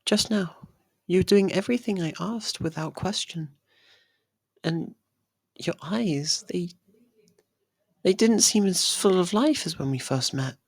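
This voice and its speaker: A performer voicing a possessive, lovestruck young faerie royal in an intimate ASMR roleplay, speaking softly and haltingly. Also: mid-range voice, slightly rough, no echo. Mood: hesitant, defensive. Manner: hesitant, halting, soft and pleading.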